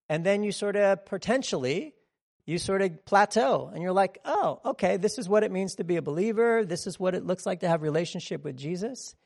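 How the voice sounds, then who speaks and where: A man preaching a conversational teaching sermon in a rambling, digressive way, often checking in with listeners. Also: fairly high pitch.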